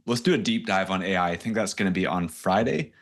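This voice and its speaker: A man's voice: sits low, quick pace, a bit bright. A man hosting a casual online coaching session, chatty and rambling, poking fun at himself, on a video call mic. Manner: rambling, self-deprecating, loose and chatty. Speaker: host and coach.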